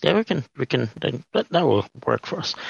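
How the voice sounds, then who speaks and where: A man's plain, everyday voice at a moderate pace. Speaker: tabletop RPG player on a stream. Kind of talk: casual banter and roleplay.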